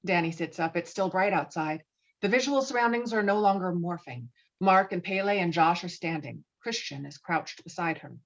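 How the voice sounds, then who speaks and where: A woman's voice: fairly low pitch, animated, normal speed. A woman reading stage directions as narrator of a screenplay table read, on slightly muffled online call audio.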